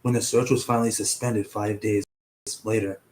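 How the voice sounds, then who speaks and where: A man's voice: on the low side, little pitch movement, moderate pace, darkish tone. A young man hosting a casual online mystery show, chatty and a bit profane, stumbling over names, with a cough and a partly lost voice. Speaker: host. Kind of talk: casual web show narration.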